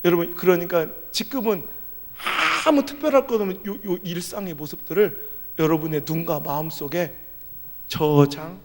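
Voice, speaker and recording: A male pastor preaching a revival sermon in a large church hall, telling a personal story and swinging from soft to loud. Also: on the high side, normal speed, slight background noise. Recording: echoey hall with long reverb.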